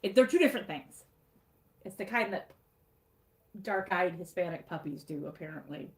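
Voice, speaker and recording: A woman's voice: on the low side, lively intonation, moderate pace, echoey room. A woman with a Michigan accent reading her own snarky book recap aloud on a livestream, wry and sarcastic, with laughs at her own jokes.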